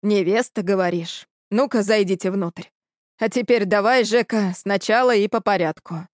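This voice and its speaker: A woman voicing a stern old village man with a gruff, folksy way of talking. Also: mid-range voice, normal speed, dry recording, studio quality, natural voice.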